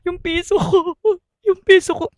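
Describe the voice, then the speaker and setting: A man's voice: very high-pitched, a little slow, no room sound, studio quality, pitched above the performer's own voice. A woman voicing a drunk male college student who sobs and pleads over and over. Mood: drunken wailing. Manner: sobbing, repetitive pleading.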